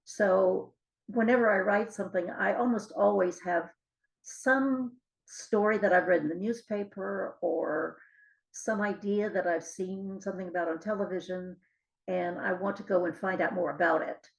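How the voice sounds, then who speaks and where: Older female author, interview guest. Gravelly, fry-edged voice, mid pitch, reflective conversational storytelling. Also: steady tone, moderate pace, rough recording.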